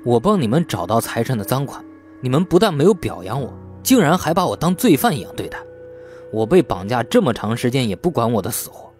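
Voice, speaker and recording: A man's voice: medium pitch, big pitch swings, fairly quick, darkish tone, faint music behind, close to an everyday voice. A man voicing an aggrieved, defiant young man in an audiobook, argumentative and sarcastic. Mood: threatening. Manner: indignant, argumentative.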